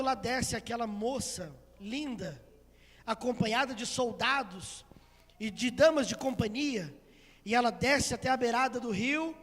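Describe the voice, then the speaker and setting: A man from Brazil preaching a sermon, retelling a story dramatically with acted quotes and swells to shouts. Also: very high voice. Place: church sanctuary. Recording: long hall reverb.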